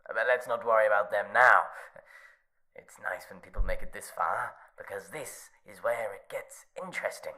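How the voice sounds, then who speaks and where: A man's voice: fairly low pitch, normal speed, pushed and bright. An actor playing a suave, mocking male overseer of a hotel test, silky and teasing, slipping into whispers in a horror audio drama.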